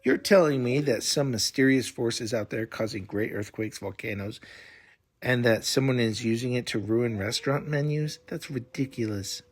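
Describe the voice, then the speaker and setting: A man's voice: mid-range voice, normal speed, lightly acted. A man voicing a playful, skeptical male adventurer in a children's bedtime story, with a teasing, incredulous manner.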